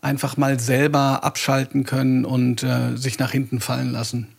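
A man in his thirties hosts a podcast, his voice mid-pitched with plenty of gravelly fry. He talks in an enthusiastic, rambling way, circling his questions with many fillers. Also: monotone, moderate pace. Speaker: podcast host, German teacher. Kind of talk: casual interview talk.

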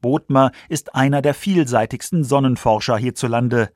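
A man's voice: mid-range voice, moderate pace, darkish tone, no room sound, clean studio sound. A man reading scripted science documentary narration for a radio feature.

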